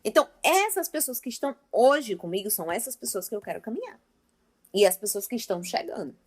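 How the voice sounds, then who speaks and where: A young woman with a slightly high voice delivers an informal Christian devotional talk. She speaks emphatically and stays personal, often turning straight to her listeners with affectionate asides. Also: very animated, fast. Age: young adult. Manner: emphatic, talks straight to the listener as "meu amor" and "gente".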